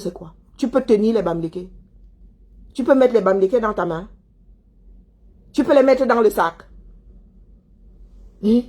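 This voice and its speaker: A woman's voice: on the high side, darkish tone. A woman delivering a heated monologue, scolding a listener, repeating herself and firing rhetorical questions. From Cameroon. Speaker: commentator answering viewers.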